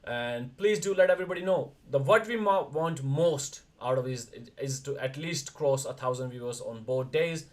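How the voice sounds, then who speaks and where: A young man from India hosts a casual livestream chat. His voice sits at an ordinary middle pitch. He rambles in fast bursts and often restarts his sentences. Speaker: streamer, wrestler co-host.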